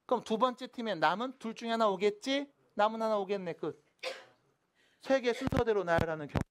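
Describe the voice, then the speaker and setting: Lecturing in a classroom, this math teacher has a medium-pitched, animated voice and moves between casual and polite speech. Quick, casual questions come constantly as he asks if students are keeping up. The background is noisy.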